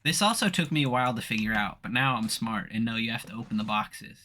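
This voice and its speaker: A man's voice: medium pitch, lively intonation, fast talker, sharp tone, a little hiss or hum. A man co-hosting and playing a video game, giving casual, sweary commentary. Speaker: gaming co-host playing the game.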